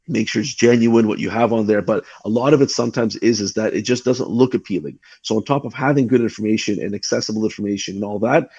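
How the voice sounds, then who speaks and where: A man with a low, husky voice explains hiring advice casually, often restarting his sentences. The sound is dull and lo-fi, as over a video call, and very dry. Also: darkish tone, dry recording. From Canada. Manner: talks in quick runs with restarts and repeated words. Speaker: tech recruiter, guest.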